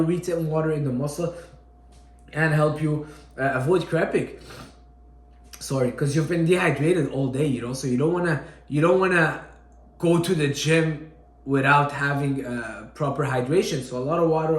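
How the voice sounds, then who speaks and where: Energetic fitness coach from Syria. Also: male voice, fairly high pitch, reverberant. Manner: energetic, repeats "all right?" often. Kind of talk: casual fitness advice to camera.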